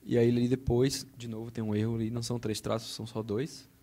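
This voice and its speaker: A man's voice: mid-range voice, flat delivery, quick pace, dark tone. A man with a Brazilian Portuguese accent giving a technical conference talk, explaining step by step with frequent check-ins on a hall microphone. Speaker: conference speaker. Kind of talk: technical talk with live demo. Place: conference auditorium stage. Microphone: handheld then podium microphone.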